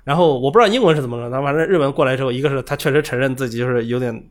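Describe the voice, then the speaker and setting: Very fast-talking man in casual chat. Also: medium pitch. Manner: rapid, rambling retelling with many fillers, acts out quoted characters. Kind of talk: casual chat about a video game.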